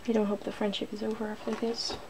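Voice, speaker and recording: Noticeable noise sits behind this woman's voice, which has an average female pitch. She hosts an ASMR video and talks in a casual, informal way, as if chatting to viewers while busy with her hands. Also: level tone, quick pace. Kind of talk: ASMR, casual chat while doing makeup.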